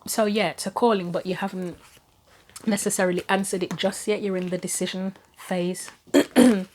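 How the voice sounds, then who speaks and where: Against a noisy background, a woman with a medium-pitched, steady voice speaks at normal speed. She hosts her own channel and is doing a casual tarot reading, pondering possibilities aloud, her throat slightly troubled and her voice starting to go.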